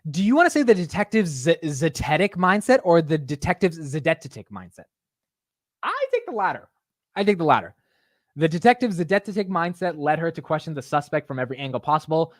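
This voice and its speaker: A man's voice: a little high, fairly quick, no echo, studio quality. A young man hosting a casual livestream, talking animatedly and jokingly with his chat viewers. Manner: animated, self-mocking, talks to chat. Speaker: livestream host.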